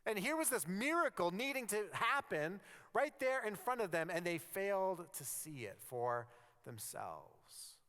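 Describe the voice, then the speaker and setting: A man preaching a sermon as pastor, conversational and animated, sometimes dropping to a near-whisper for emphasis. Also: high voice, unhurried. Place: church sanctuary. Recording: long reverb of a church hall.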